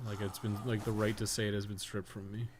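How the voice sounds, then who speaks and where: A man's voice: lowish voice, little pitch movement, fast, background noise. A man live-streaming a video game with casual, slangy commentary, swearing freely and sometimes muttering to himself as he plays. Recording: music behind the voice. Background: music.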